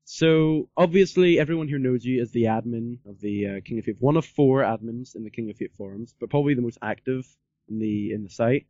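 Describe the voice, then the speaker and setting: Male podcast host, casual and rambling, mellow tone, muffled lo-fi audio. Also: mid-range voice, a little fast, no room sound. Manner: rambling, repeats himself, peppers talk with "like". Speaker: podcast interviewer. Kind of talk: casual interview chat.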